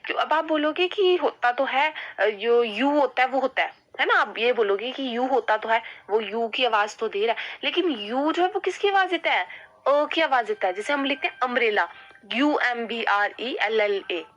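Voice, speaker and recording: A woman's voice: high voice, animated, normal speed, a bit bright, lo-fi sound. A woman teaching an English grammar lesson in Hindi. She keeps asking questions and answering them herself, and says "ठीक है" often. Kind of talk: classroom-style grammar lesson.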